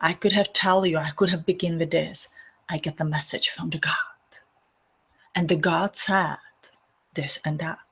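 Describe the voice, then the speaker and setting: Czech-accented woman, slightly low voice, soft and earnest spiritual host, halting non-native phrasing. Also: fairly even intonation, breathy edge. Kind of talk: gentle spiritual talk to an online audience.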